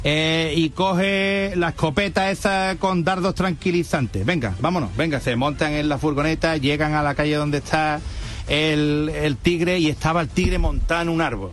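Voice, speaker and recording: A man with a fairly high pitch speaks at a moderate pace, keeping very even loudness and ordinary pitch variation. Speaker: joke teller. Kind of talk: storytelling. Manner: animated.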